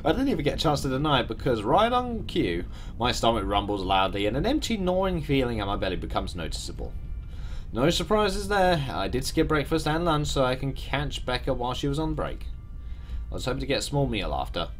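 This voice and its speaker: A man reading a visual novel aloud as the streamer, expressive, with his own asides. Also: mid-range voice, a little fast, slight background noise. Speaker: game streamer.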